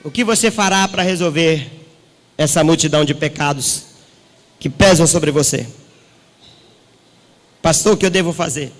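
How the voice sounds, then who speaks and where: A man preaching a sermon as a pastor, asking rhetorical questions and swinging his pitch for drama. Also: normal speed, pauses often, big-room sound.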